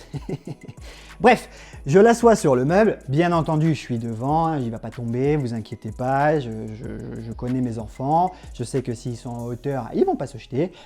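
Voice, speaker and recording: A man's dark, mellow voice at a medium pitch, fairly slow, with ordinary pitch variation and big swings in loudness. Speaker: tattoo artist and YouTuber. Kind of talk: casual vlog storytelling.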